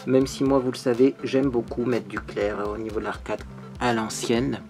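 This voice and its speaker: A man's voice: medium pitch, little pitch movement, normal speed, music in the background. A man hosting a makeup tutorial, talking in a bubbly, chatty way and often tagging his sentences with little fillers. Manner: bubbly, chatty, peppered with "hein". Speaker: beauty vlogger.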